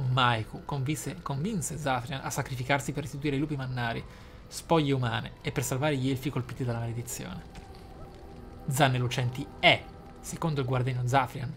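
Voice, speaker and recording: A man hosting a gaming channel, reading lore aloud expressively and musing on it in asides. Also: mid-range voice. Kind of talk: reading game lore aloud with off-the-cuff commentary. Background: game music.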